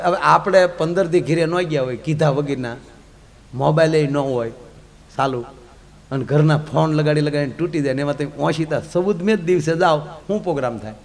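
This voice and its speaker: High-voiced man telling folk comedy. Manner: lively, jokey, swings from loud to hushed. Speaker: folk storyteller. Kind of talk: comic folk storytelling.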